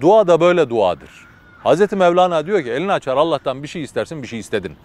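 A man's voice: on the high side, big pitch swings, fast, a little mellow, no room sound. Man telling a dramatic religious story. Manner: vivid, dramatic, with casual fillers.

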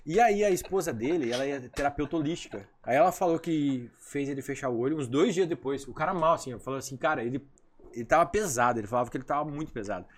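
A man with a slightly raised voice rattles through stories at a brisk clip. He is a hypnotherapist visiting a podcast, and he performs each bit of dialogue as he recounts it. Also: fairly high pitch, a little hiss or hum. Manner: animated storyteller, acts out dialogue. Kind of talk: casual podcast chat.

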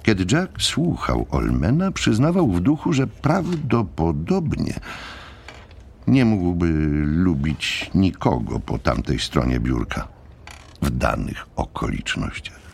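A man giving a dramatic literary narration for an audiobook, solemn and measured. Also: sits low, big pitch swings, gravelly, slightly rough.

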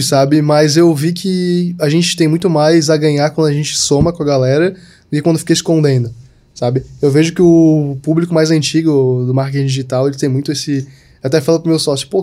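Young man, podcast guest, casual chat, rapid talk, warm mellow tone. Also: fairly high pitch, fairly even intonation. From Santa Catarina, Brazil. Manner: chatty, many fillers like tipo and sabe. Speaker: podcast guest, digital marketer.

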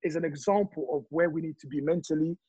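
A man from Congo talking passionately in casual chat, telling his views with animated stories. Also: a little high, fast talker, slightly rough, no echo, rough recording.

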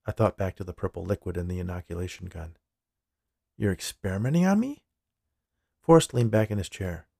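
A man reads first-person fiction as a podcast narrator. His voice is low with noticeable creak, and the recording is very dry with no room sound. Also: quick pace, few pauses, warm tone, dry recording.

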